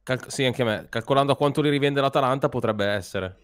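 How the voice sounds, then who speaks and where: A man co-hosting a casual live-stream match reaction, chatting in a relaxed way. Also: mid-range voice, fast talker. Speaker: co-host on the stream.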